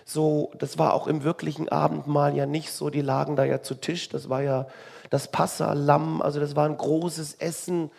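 A man's voice: a little high, level tone, moderate pace, gravelly, a little mellow. A man preaching a sermon in a conversational, wry way, asking the listeners rhetorical questions.

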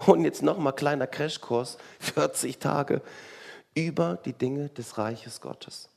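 A man's voice: a little high, slow, vocal fry, a little mellow. A man preaching a sermon in a conversational way, full of rhetorical questions and wry asides.

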